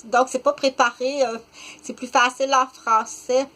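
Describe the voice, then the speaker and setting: Halting Québécois woman in her fifties. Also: high voice, little pitch movement, fairly bright tone. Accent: Québécois French. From Quebec, Canada. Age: 50s. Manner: rambling, halting, many "euh" fillers and restarts. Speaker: vlogger. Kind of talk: unscripted monologue to camera.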